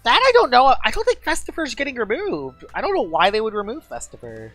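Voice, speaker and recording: A woman game streamer talking excitedly in a casual live-stream chat, gushing and chatty. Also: a little high, brisk, no echo, faint music behind.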